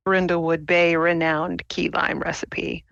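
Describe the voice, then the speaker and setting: Low, gravelly woman player. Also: flat delivery, measured pace, a bit bright, no room sound, dull audio.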